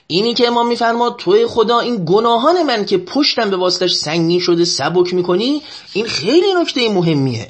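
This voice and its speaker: A man giving a sermon that explains Arabic prayers. He chants the prayer lines slowly and drawn out, then explains them more quickly, often urging listeners to pay attention. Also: high-pitched, breathy edge. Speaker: religious lecturer.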